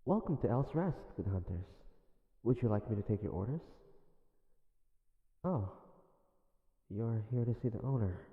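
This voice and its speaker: A man playing an earnest, emotional young hunter in an audio drama, speaking haltingly with stammers. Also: on the low side, very animated, slightly rough, no echo, narrow, tinny audio, full character voice. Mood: polite, puzzled. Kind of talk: dramatic audio roleplay acting.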